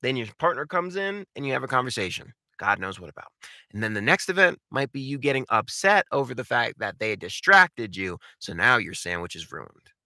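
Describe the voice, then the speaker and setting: Acting as a voice acting coach, a man delivers an instructional talk built around numbered tips, emphatic and theatrical, repeating key words and dropping in informal conversational asides. His medium-pitched voice swings widely in pitch, runs a little fast, and sounds pushed and bright on a dry recording.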